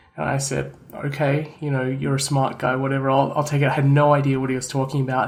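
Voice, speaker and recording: With an Australian accent, a man speaks fairly quickly and fairly high for a man, his intonation fairly even, with audible room echo. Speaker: software engineer and bitcoin writer. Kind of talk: casual podcast interview.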